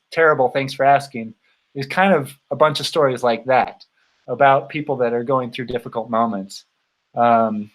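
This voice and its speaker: A man in his thirties hosts a casual livestream in a medium-pitched voice. He talks informally and rambles, often halting to find his thought. His voice is tiring from long use. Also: rough recording. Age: 30s. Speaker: host of a bicycle touring channel.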